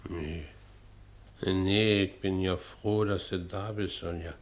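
An actor playing a gullible, boastful Berlin ex-convict in a radio drama, with a Berlin accent. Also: male voice, deep voice, fairly even intonation, slow pace. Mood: tender. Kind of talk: German radio drama acting.

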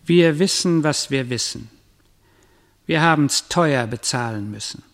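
An actor playing a solemn, knowing chronicler, narrating a literary radio drama in short measured phrases. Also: male voice, medium pitch, lively intonation. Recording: long reverberant hall.

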